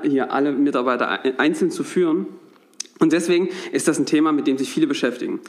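Male interviewer, a touch higher pitch than usual, easygoing podcast host asking questions. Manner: friendly, steady questioning with fillers. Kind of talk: conversational interview.

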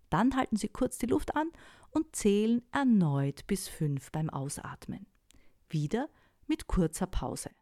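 A woman voice coach giving calm, scripted instructional advice, often asking rhetorical questions. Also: on the low side, dry recording, studio quality. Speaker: voice and sales-speech coach.

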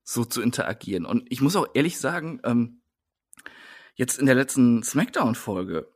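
A man's voice: mid-range voice, big pitch swings, moderate pace, darkish tone. A man co-hosting a casual wrestling podcast, ranting in an exasperated way. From Germany, Siegerland. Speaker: podcast co-host.

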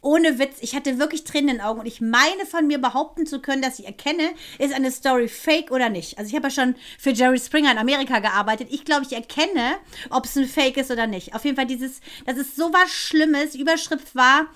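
A woman's voice: sits high, fairly quick, few pauses, a bit bright. A woman co-hosting a casual podcast chat, telling stories and acting out quotes between laughs. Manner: laughing, chatty storyteller who acts out quotes. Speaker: podcast co-host.

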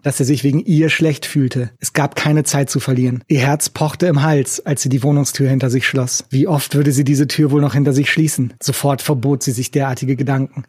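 A man reading a novel aloud as audiobook narrator, steady and measured, on a close studio mic. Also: medium pitch, husky, no room sound.

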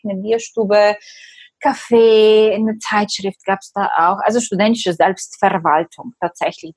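Bulgarian-born woman, slightly husky voice. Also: mid-range voice, no echo. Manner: thoughtful, repeats phrases while searching for words. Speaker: interview guest. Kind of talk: conversational interview.

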